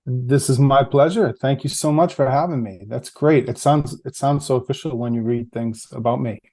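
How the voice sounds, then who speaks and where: A middle-aged man with a central Massachusetts accent, a guest in a casual interview, talking reflectively and easily with fillers and soft laughs. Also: mid-range voice, moderate pace. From Massachusetts, USA. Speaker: podcast guest, public health researcher.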